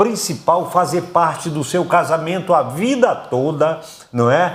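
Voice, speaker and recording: A man's high-pitched voice, fairly slow, with ordinary pitch variation. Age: 60s. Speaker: pastor and TV show host.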